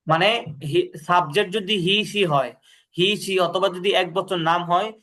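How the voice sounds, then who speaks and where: A man with a high, slightly bright voice tutors English grammar in a lesson. He reads English sentences slowly, then translates them, patiently repeating drills and checking that the student understands.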